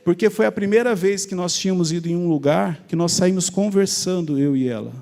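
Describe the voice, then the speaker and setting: A middle-aged Brazilian man telling his personal faith testimony in an animated storytelling way, acting out remembered conversations. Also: high-pitched, a little fast, gravelly, long reverb tail. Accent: Brazilian Portuguese. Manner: animated, acts out remembered dialogue. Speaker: speaker sharing a faith testimony.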